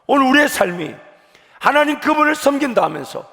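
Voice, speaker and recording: A man pastor preaching an earnest sermon in a church sanctuary, slowing down to stress key words. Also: extremely high pitch, very animated, vocal fry, pushed and bright. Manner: earnest preaching, rising with emphasis. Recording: long hall reverb.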